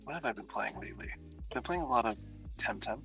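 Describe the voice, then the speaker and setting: A man's voice: mid-range voice, expressive, quick pace, vocal fry, a bit bright. A young adult man from the United States with an American accent, a guest in a casual chat, easygoing and joking. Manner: easygoing, laid-back and joking. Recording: faint background music.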